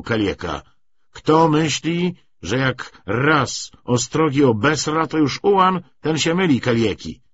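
A man's voice: mid-range voice, fairly bright tone, slightly rough, dull audio, pitched above the performer's own voice, full character voice. A man voicing a stern veteran cavalry lieutenant in an audiobook, giving riding instruction with crude, commanding sarcasm. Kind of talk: audiobook character reading.

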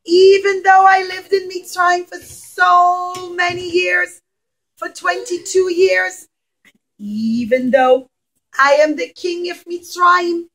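A woman's voice: very high voice, steady tone, slow pace, fairly bright tone, pitched above the performer's own voice, exaggerated voice, low-quality recording. A woman voicing a loyal, pious king who declaims emphatically to his family, in a puppet story. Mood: earnest, pleading.

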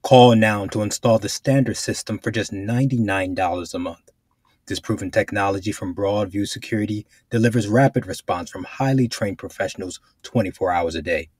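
A man's voice: lowish voice, brisk, a little mellow, breathy edge, no room sound, studio quality. A man reading commercial voice-over scripts in a polished announcer delivery. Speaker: voice-over artist.

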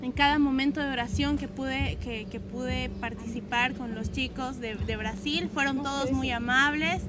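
A twenty-year-old Bolivian woman at a camp sits on a park lawn outdoors, giving a hesitant testimony full of restarts as a distant camera films her. Her high voice has fairly even intonation and a moderate pace, set against a noisy background with loud music underneath.

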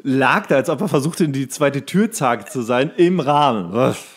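A man's voice: medium pitch, animated, moderate pace, slightly rough. Casual, slangy man telling anecdotes. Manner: slangy, colloquial. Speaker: podcast co-host.

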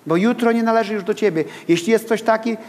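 High-voiced animated preacher in echoing hall. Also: male voice, fast talker. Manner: animated, repeats words, laughs at his own jokes. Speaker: guest pastor. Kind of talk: lively sermon to a congregation. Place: church hall. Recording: long hall reverb.

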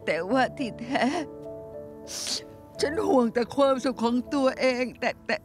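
A woman's voice: a little high, music in the background, natural voice. A woman voicing a lonely old woman in her later years who grieves her lost dog, dubbed for a drama. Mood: sad. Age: older. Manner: fretful, quick to accuse, then wistful. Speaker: dubbing actor. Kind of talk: Thai TV drama dub.

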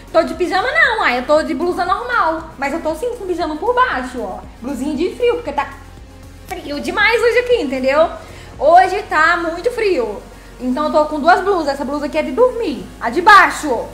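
A woman's voice: very high voice, a bit bright. A woman chatting casually on a live stream, reading the chat and teasing her viewers in a playful, chatty way. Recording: echoey room, faint music behind.

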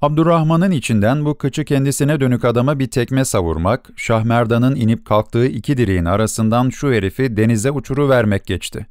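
A man narrating a short story for an audiobook in a measured storytelling delivery. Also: mid-range voice, darkish tone, no echo, studio quality. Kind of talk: scripted narration.

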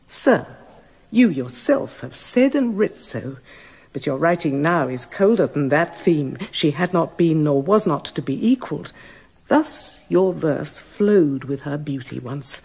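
An actress playing an outspoken older noblewoman in a radio drama, speaking with sharp reproach. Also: deep voice, lively intonation, measured pace, creaky, breathy edge, heavily acted. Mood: reproachful. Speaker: queen's loyal lady.

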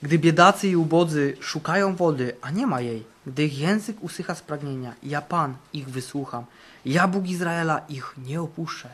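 A male camp preacher in full sermon mode, his fairly high voice rising for bold declarations and dropping for quiet, earnest passages. He drives points home by repeating key phrases. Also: normal speed, husky. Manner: fervent, repeats phrases for emphasis, swings between loud and hushed. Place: camp meeting.

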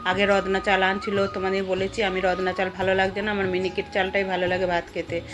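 A middle-aged woman speaks Bengali with a West Bengal accent in a casual vlog voice-over. Her voice is mid-pitched and stays fairly flat as she chats directly to her viewers about everyday home life. Music plays clearly behind her. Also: fast talker. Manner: chatty, addresses viewers directly as friends. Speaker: homemaker and vlogger. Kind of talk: casual vlog voice-over narrating cooking and household routine.

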